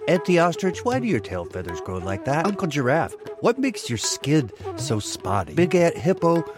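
A man's voice: a little high, huge pitch swings, moderate pace, music in the background, pitched above the performer's own voice. A man voicing a small, curious, polite young male elephant, eager and questioning.

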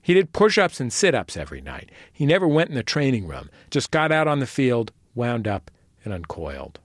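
Thirties male host, scripted radio narration, animated mid-range voice in a dry studio. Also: medium pitch, moderate pace, no echo. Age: 30s.

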